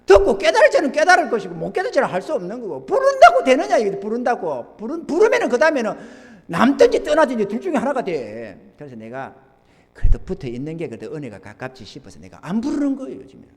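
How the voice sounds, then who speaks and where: High, wildly swinging male preacher. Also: wildly swooping pitch, quick pace. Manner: preaching with sweeping swings between loud emphasis and low near-murmurs. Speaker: pastor. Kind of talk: sermon. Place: church sanctuary. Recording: long church reverb.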